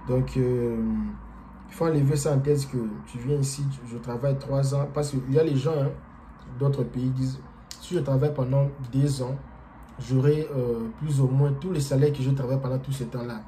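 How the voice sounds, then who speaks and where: A man from DR Congo, not a native French speaker, talks to camera in a relaxed vlog. His voice is very dark and mellow, and his delivery is halting, full of fillers and restarts. Faint noise sits under it. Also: medium pitch. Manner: hesitant, halting, frequent fillers and repeated words. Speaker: vlogger. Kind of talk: casual explanatory monologue.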